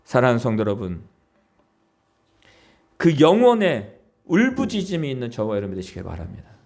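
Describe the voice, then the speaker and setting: A man's voice: mid-range voice, wildly swooping pitch, moderate pace, gravelly, darkish tone. A man preaching a Sunday sermon as pastor, pleading and emphatic, often asking his congregation questions. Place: church.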